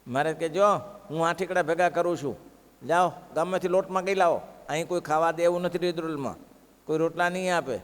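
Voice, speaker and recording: A man's voice: on the high side, fairly quick. Gujarati man preaching in a reverberant hall. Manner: animated storyteller, acting out the characters' lines. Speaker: preacher telling scripture stories. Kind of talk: devotional sermon storytelling.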